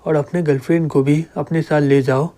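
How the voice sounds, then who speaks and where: A commanding young noblewoman who scolds sharply and gives orders, read by a man narrating a comic. The voice is a little high and mellow. It is read in a plain storytelling way. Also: fairly even intonation, fairly quick, lightly acted. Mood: scolding. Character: fierce young woman, loyal noble student.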